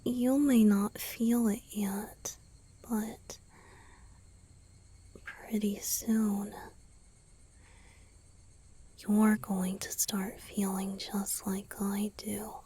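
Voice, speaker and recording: A woman voicing a tender, devoted young male vampire boyfriend in a soft, breathy whisper for a romantic ASMR roleplay. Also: mid-range voice, level tone, a little hiss or hum. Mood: anxious, pleading. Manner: slow, gentle, devoted, lingering pauses.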